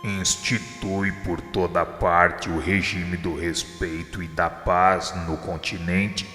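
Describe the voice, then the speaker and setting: A man voicing Jesus as a grave divine figure in a radio drama, speaking with a Brazilian Portuguese accent in measured, solemn pronouncements. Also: low voice, heavily acted. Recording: heavy reverb with soft music behind.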